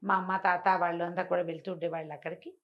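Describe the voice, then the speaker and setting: A woman's voice: fairly low pitch, little pitch movement, fast talker, dull audio, natural voice. A woman storyteller voicing a helpful lame frog in a bedtime tale, in a plain, matter-of-fact manner.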